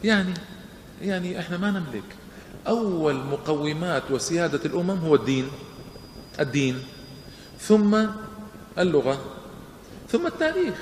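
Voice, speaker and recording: A man with a fairly high voice gives a public lecture and takes questions, his pitch swinging widely at a moderate pace with long pauses. He is emphatic, using rhetorical questions and repetition for stress. The recording, made in a lecture hall, carries echo and faint noise.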